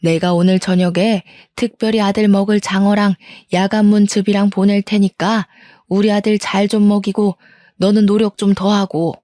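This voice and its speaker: A woman reads out an overbearing older mother-in-law, nagging and presumptuous, in a dark, mellow voice. The story-channel telling is close and dry, with no room around it. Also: medium pitch, little pitch movement, moderate pace, no echo, natural voice.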